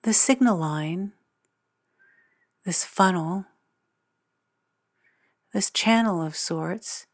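A woman narrating a guided meditation as its guide, speaking in measured, deliberate phrases with long pauses. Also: fairly low pitch.

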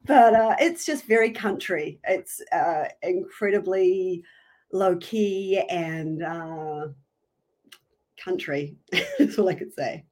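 A woman in her forties from New Zealand with a New Zealand accent, a podcast guest chatting casually, quick to poke fun at herself and laugh. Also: on the low side, animated, a little mellow. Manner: chatty and self-deprecating, laughs often. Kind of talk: casual interview chat.

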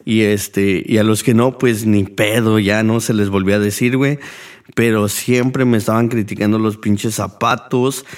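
A man's voice: on the low side, fairly even intonation, moderate pace. A man with a Mexican Spanish accent, hosting a podcast as a casual monologue. He rambles and swears a lot, with many fillers. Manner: profane, rambling, heavy use of fillers. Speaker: podcast host.

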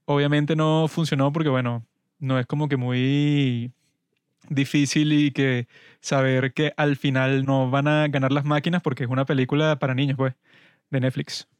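Male podcast host: smooth, dry close-mic voice, wry deadpan film chat. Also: mid-range voice, normal speed, no room sound. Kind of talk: casual film review chat.

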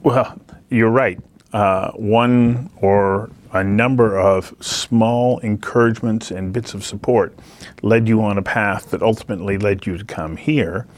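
A man hosting an interview show, reading a scripted introduction and then asking reflective, earnest questions in long measured sentences. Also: fairly low pitch, steady tone.

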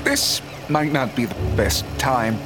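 A man's voice: medium pitch, a little slow, close to an everyday voice. An actor playing a cocky male adventurer in an audio drama, glib and sarcastic, full of joking banter. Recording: clear music and boat engine behind.

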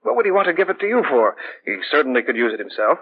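A man's voice: a little high, big pitch swings, rapid-fire, narrow, tinny audio, a little hiss or hum. An actor playing an earnest married man who narrates his own story in a 1950s radio drama, heard on an old radio broadcast recording. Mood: curious. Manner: earnest, curious.

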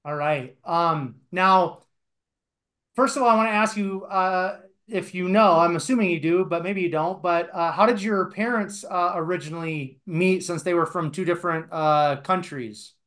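A man's voice: high-pitched, normal speed, a bit bright. A man hosting a podcast, asking long questions with many fillers and polite asides. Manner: hesitant, lots of fillers, polite. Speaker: podcast host. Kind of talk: casual podcast interview.

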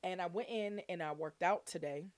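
A woman's voice: fairly low pitch, moderate pace, no echo. A forty-year-old woman hosting a casual solo podcast, chatting in an exuberant, playful, chummy way straight to her listeners. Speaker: podcast host.

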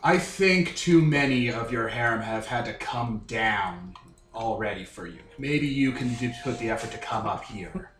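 A man's voice: mid-range voice, lively intonation, moderate pace, fairly bright tone, slight background noise, lightly acted. Man doing cocky mouse guard, dry taunts, distant echoey sound. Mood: taunting. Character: defiant, mocking male mouse guard. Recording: echoey room, off-mic.

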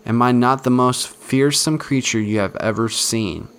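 A man's voice: medium pitch, unhurried, fairly bright tone, clear, resonant tone. Brief: cruel riddling goblin creature, read by a man, taunting and smug. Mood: gloating. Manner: taunting, mocking. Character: sly cruel goblin-like red cap, riddling.

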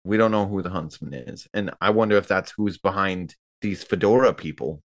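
A man with a fairly low voice takes part as a player in a tabletop role-playing game. He speaks casually in character, as in an everyday group discussion. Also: moderate pace, dry recording.

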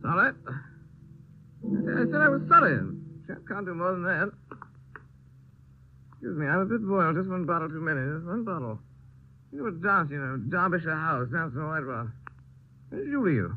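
A tipsy toff. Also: male voice, high-pitched, huge pitch swings, normal speed, long pauses, soft background music, full character voice. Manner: slurred, rambling, singsong. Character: drunk upper-class Englishman, rambling and silly. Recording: tinny old film soundtrack.

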